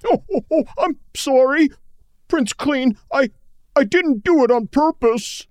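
Brief: woman playing a whiny, stammering coward of a giant demon king, high and swooping, dry close sound. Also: lively intonation, unhurried, darkish tone, dry recording. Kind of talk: storybook character voice.

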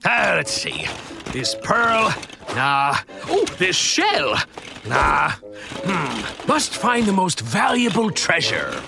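A gravelly, gloating shark pirate. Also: mid-range voice, huge pitch swings, takes it slowly, over music, exaggerated voice. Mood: rummaging. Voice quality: gravelly, growling. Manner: boastful, menacing, cackling. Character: scarred one-eyed male shark pirate, greedy and blustering. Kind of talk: cartoon voice acting.

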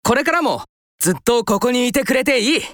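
A woman's voice: a little high, lively intonation, fairly quick, a bit bright, dry recording, studio quality. An actress voicing a kind, hardworking young male farmer with rustic speech in a children's folktale. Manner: rustic country speech, earnest.

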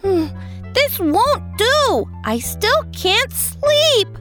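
An actor voicing a sleepless, fretful little boy prince in a bedtime storybook, with slow singsong counting and plaintive sighs. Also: very high-pitched, very animated, fairly bright tone, faint music behind, full character voice. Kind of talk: storybook character voice.

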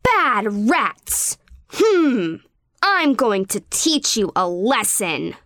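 A woman's voice: slow, no echo, studio quality, exaggerated voice. A woman voicing a young cat princess in a children's cartoon. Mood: cross. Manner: high, sing-song, expressive. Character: young cat princess, sweet but cross.

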